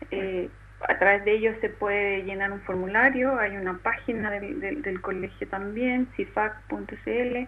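A woman talks at a fairly slow pace in a medium pitch. She has a normal speaking voice with ordinary pitch variation. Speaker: forestry researcher. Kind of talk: radio interview.

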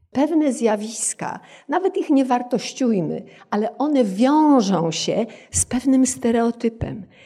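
A woman's high, dark, mellow voice at a very slow pace, with lively intonation. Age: 70s. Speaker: psychologist and addiction therapist. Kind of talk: lecture. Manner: hesitant, with fillers.

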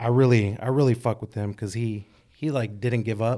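The tone is dark and mellow, delivered at a moderate pace with fairly even intonation. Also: man, very clean recording, silent background. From California (Fresno), Mexican immigrant family. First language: Spanish. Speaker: podcast guest, Marine veteran. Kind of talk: casual chat. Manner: relaxed, profanity-heavy storytelling.

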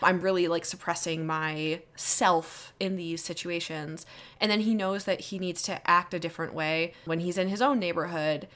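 A woman with an American accent has a plain, everyday voice, fairly low in pitch with fairly even intonation. She speaks at a moderate pace with hardly any pauses on a very clean recording with a silent background. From Connecticut. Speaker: podcast host. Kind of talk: casual chat.

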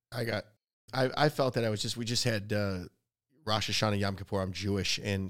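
A man's fairly low voice with an American accent, very fast and fairly even in intonation, in a very clean recording with a silent background. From Detroit area, Michigan. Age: 40s. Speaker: podcast host. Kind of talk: casual chat.

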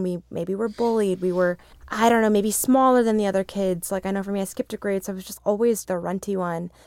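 An American woman with an unremarkable speaking voice, pitched in the middle range. Her intonation stays fairly even. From US Midwest, Nebraska. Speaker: violinist and composer. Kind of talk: casual interview.

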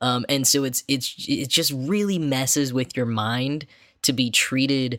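The speaker has a slight Midwestern accent. The pace is fairly slow. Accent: slight Midwestern American. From US Midwest. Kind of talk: casual chat. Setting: remote recording over call.

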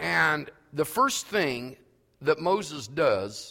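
A man with a fairly high pitch speaks in a bright, sharp tone, with vocal fry. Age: 60s. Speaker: pastor. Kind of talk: sermon. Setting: church with congregation. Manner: casual, conversational.

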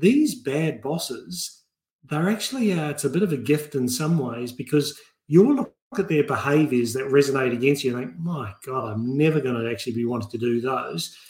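Somewhat breathy, a man's voice sits at a fairly high pitch. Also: moderate pace. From New Zealand, South Island. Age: 50s. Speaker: business leader and author. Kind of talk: interview.

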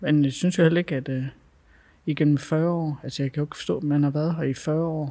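In a very clean recording with a silent background, a woman with a very deep, low pitch and a dark, mellow tone speaks at a very fast pace with fairly even intonation. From Denmark, Jutland (Tørring area). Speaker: shop manager. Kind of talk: casual chat.

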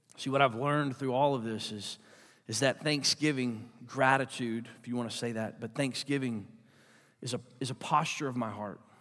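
A man with an ordinary speaking voice talks at a moderate pace and medium pitch, with fairly even intonation and big swings in loudness, in a very clean recording with a silent background. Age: 30s. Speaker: pastor. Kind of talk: sermon. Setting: church with congregation.

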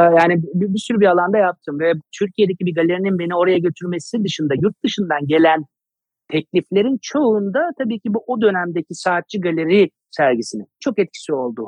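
High male pitch, a man's voice, ordinary pitch variation. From Istanbul, Turkey. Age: 40s. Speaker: sculptor. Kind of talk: interview.

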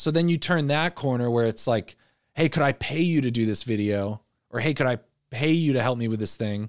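Here a man speaks with a plain, everyday voice at a medium pitch. His pace is fairly quick, with ordinary pitch variation. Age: 30s. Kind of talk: casual chat. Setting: video call.

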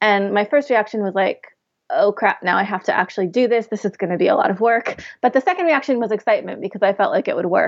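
This woman talks at a very fast pace with lively intonation. She has an American accent. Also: fairly high pitch for a woman. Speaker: writer and editor. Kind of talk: interview. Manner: halting, many fillers.

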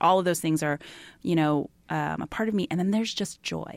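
With an American accent and an ordinary speaking voice, a woman talks at a fairly quick pace and a fairly low pitch, recorded very cleanly against a silent background with a dry, close sound and no echo. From United States. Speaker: actor, writer and director. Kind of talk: casual chat.

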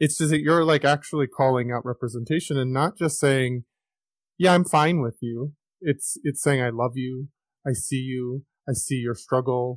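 An unremarkable speaking voice, this man talks at a moderate pace and medium pitch, with a dry, close sound and no echo. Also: fairly even intonation. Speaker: podcast host and life coach. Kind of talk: interview conversation.

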